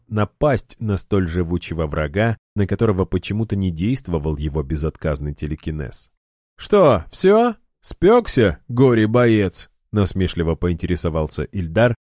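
A man narrating a fantasy novel in an even, measured way. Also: deep voice, no room sound, studio quality. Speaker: audiobook narrator.

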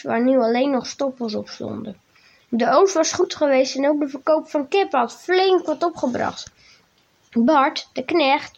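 High-voiced woman reading a storybook aloud. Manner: steady, measured read-aloud narration. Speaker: podcast host and story reader. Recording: dull lo-fi recording.

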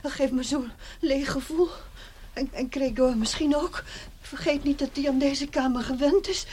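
Actress as high-voiced, anxious pleading mother. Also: moderate pace, darkish tone, natural voice. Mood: hesitant, fretful. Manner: tremulous, stammering, repeating herself. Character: anxious, pleading mother pining for her son. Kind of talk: Dutch radio drama acting. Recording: noisy old radio play recording.

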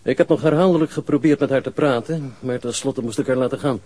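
An actor playing a frank, authoritative hospital doctor in a radio drama, formal, matter-of-fact and emphatic, with a husky voice. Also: male voice, medium pitch, fast, a little mellow, a little hiss or hum, natural voice. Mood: frank, grave.

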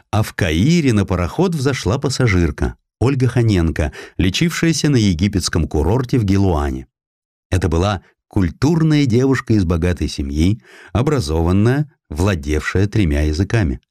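Low-voiced expressive male narrator. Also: no room sound, clean studio sound. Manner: expressive storytelling. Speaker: audiobook narrator. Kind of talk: dramatic scripted narration of historical story.

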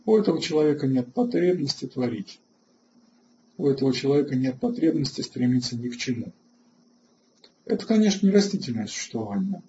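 A man hosting an online webinar lecture, halting with filler sounds and restarts, and answering chat questions between points. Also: medium pitch, expressive, dark tone, muffled recording, a little hiss or hum. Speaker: webinar host.

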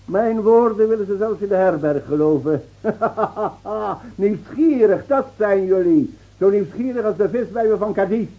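An actor in a Dutch radio play playing a mocking, defiant old village drunk who foretells doom with theatrical scorn. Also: male voice, sits high, lively intonation, unhurried, lo-fi sound, exaggerated voice. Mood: mocking glee. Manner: taunting, theatrical, scornfully laughing.

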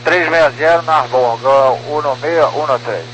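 Man, pilot over the radio, terse readbacks, clipped aviation calls, thick static hiss. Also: fairly high pitch. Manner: brisk, terse, formulaic readbacks. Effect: pilot talking over a crackling radio link. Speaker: airline pilot. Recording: static-filled radio intercept.

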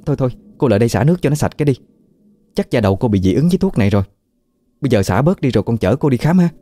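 Man voicing a frightened young hairdresser woman, higher voice, stammering, Southern Vietnamese accent, dry close sound. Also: animated, very fast, warm tone, no echo, close to an everyday voice. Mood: anxious. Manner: stammering, panicky.

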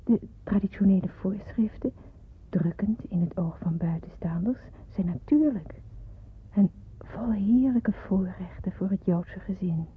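An actress playing a devout, earnest young Jewish daughter in a radio drama, speaking in a solemn, measured, breathy way. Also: female voice, mid-range voice, slight background noise, lightly acted. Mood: reflective, earnest. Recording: muffled, phone-like old radio play recording.

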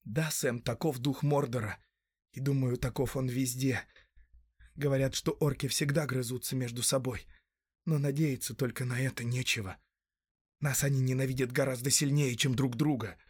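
A man voicing a gentle, cautious young male hobbit who talks in a calm, hushed way. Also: moderate pace, slightly rough, no room sound, lightly acted. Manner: hushed, calm, low-voiced.

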